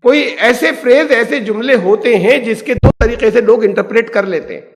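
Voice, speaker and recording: High-voiced man lecturing in an echoey hall. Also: background noise. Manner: explanatory, poses rhetorical questions, mixes English terms. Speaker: Islamic scholar teaching the Quran. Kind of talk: Quran lecture.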